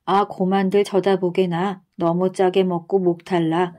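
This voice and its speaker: A woman's voice: lowish voice, little pitch movement, unhurried, a little mellow, lightly acted. A woman voicing a scoffing, stingy male miser from a folktale who tries to outdo his rivals.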